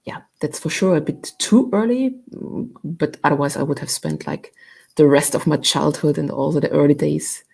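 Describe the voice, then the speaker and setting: A woman, chatting relaxed as an interview guest, with many fillers. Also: sits low, normal speed, creaky, breathy edge. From Austria. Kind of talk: casual interview chat. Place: at home.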